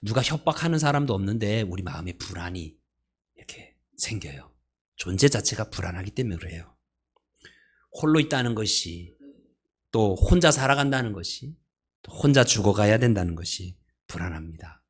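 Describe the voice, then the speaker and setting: Speaking fairly quickly in a lowish, slightly rough voice, this pastor delivers an animated sermon inside a church sanctuary. He keeps things light and conversational, quizzing the congregation and chuckling at his own humor.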